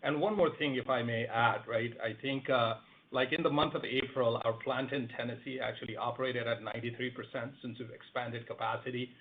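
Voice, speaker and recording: A man speaks as a company executive on an earnings call. The sound is phone-like, with light noise underneath. His answers are measured and dotted with small check-in tags like "you know" and "right". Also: mid-range voice, fairly even intonation. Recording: tinny phone conference line with noise.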